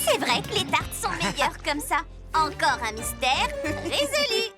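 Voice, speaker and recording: Casting: confident, theatrical cartoon girl sleuth. High-pitched, animated, grand declarations. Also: unhurried, over loud music, heavily acted. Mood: brisk, assured. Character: self-styled girl detective, bossy, dramatic and confident. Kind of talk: animated children's series dub.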